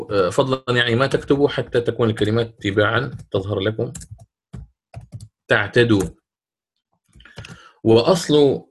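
A man teaching a Quran recitation lesson online. He explains step by step, checks understanding with questions, and recites verses slowly and drawn out. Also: medium pitch, a bit bright.

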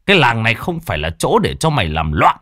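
A man voicing a stern middle-aged village exorcist, speaking gravely and with authority. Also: mid-range voice, huge pitch swings, fast, sharp tone, no room sound, studio quality, full character voice. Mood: vengeful. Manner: grave, commanding.

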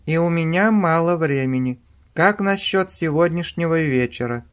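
A man's voice: a little high, normal speed, clean tone, pitched above the performer's own voice, natural voice. A man voicing a demanding young woman who presses her lover on the phone, insistent and pushy.

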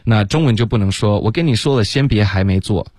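A man teaching English on a radio lesson, explaining phrases and saying them slowly for listeners to repeat. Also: lowish voice, expressive, a little mellow, no echo. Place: radio studio.

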